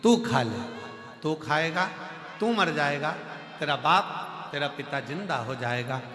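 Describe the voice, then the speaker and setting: A male preacher voicing a scheming holy man who speaks low and hushed. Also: animated, a little slow. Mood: sly. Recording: echoey hall, faint music.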